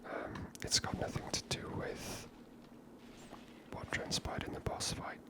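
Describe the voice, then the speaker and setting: A woman speaks entirely in a soft, breathy whisper. She comments on a video game in a casual, musing manner, as the host of an ASMR series. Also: a little slow.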